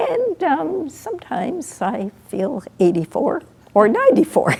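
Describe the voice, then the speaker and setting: Noticeable background noise sits behind the speaker. The pace is fairly slow, with very wide pitch swings. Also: woman, high pitch for a woman. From Canada, Toronto. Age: 80s+. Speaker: long-time church member. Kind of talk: interview. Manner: halting.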